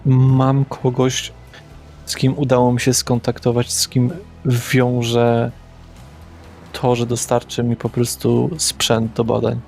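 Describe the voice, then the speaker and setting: A man's voice: mid-range voice, completely flat delivery, slow pace, creaky, darkish tone, soft background music. A man speaking in character in a tabletop roleplaying game, casual and rambling. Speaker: player.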